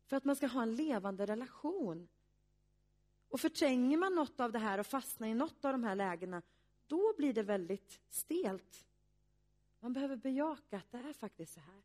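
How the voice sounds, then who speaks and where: Woman pastor preaching, slightly high voice, earnest and thoughtful, lots of pauses. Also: darkish tone. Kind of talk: sermon.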